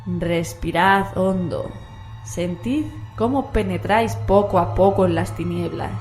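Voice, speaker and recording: A woman's voice: lowish voice, a little slow, darkish tone. A woman with a Castilian Spanish accent co-hosting a horror radio show, reading dramatic scripted narration with suspense. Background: music.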